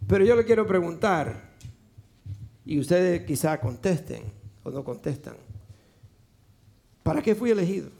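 A male pastor preaching and questioning his congregation in a quick, lively manner during a church service. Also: high-pitched, vocal fry, slightly rough.

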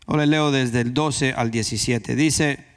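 A man's voice: mid-range voice, steady tone, measured pace, smooth. A man with a Dominican accent preaching a conversational sermon, repeating key phrases for emphasis. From Dominican Republic.

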